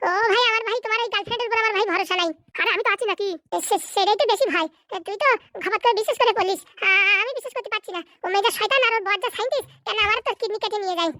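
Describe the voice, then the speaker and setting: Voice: extremely high pitch, racing, hardly any pauses, bright, forceful tone, no echo, studio quality. Voice artist doing a grumbling cynical drinking buddy. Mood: suspicious. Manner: grumbling, crude, pessimistic. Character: cynical suspicious young male drinking buddy.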